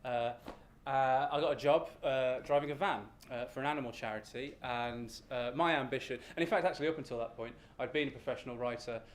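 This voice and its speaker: A British man telling an animated, ranting comic story live on stage, exasperated, self-deprecating and sweary. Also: mid-range voice, brisk, hardly any pauses. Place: live storytelling event with room ambience. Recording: noisy live venue recording.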